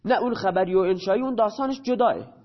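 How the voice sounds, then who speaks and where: A man gives a grammar lesson in a fairly high voice. He poses a question, answers it himself and repeats each key term slowly. The recording sounds dull and lo-fi. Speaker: teacher.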